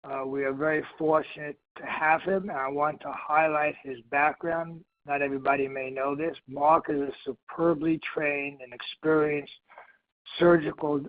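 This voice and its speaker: A man with a slightly high voice addresses investors as a company executive. His delivery is formal and emphatic. The sound is narrow and muffled, carried over a phone line. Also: fairly even intonation, normal speed. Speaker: company chief executive on an earnings call. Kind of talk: scripted corporate presentation, then brief remarks.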